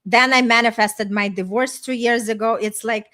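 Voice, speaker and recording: A woman's voice: a little high, steady tone, moderate pace, bright, forceful tone. A middle-aged woman from Ukraine with an Eastern European accent, telling personal stories in an effusive, chatty way on a podcast. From small town in Ukraine, former Soviet Union. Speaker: podcast host and life coach. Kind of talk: casual personal storytelling in conversation.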